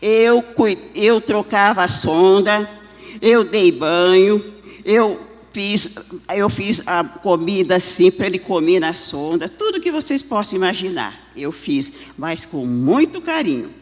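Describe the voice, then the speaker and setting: A woman giving an emotional church testimony in a halting way, full of filler tags and restarts. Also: medium pitch, expressive. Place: large church hall. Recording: long reverb of a church hall.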